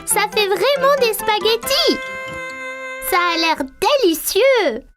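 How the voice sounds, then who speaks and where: Cartoon preschool boy, very high and lively, slow eager delivery, soft kids' music under. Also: full character voice. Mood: excited. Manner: eager, wide-eyed, bursts of wonder. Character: curious excitable four-year-old boy.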